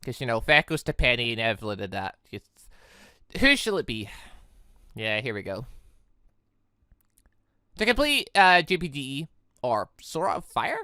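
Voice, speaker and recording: A gaming video host talks in a bright, forceful voice with very lively pitch movement. The delivery is casual and rambling, full of tangents and self-corrections. The sound is dry, with hardly any room in it. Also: normal speed, pauses often, no echo. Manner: chatty, digressive, self-correcting. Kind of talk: casual rambling game commentary.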